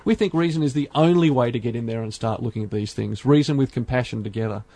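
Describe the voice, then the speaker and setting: A man hosts a podcast in an earnest, measured way, dotting his talk with "you know." His voice sits at a middling pitch. The recording is close and dry. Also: warm tone, dry recording. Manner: earnest, speaks in measured phrases with many fillers. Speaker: podcast host. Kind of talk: casual podcast discussion.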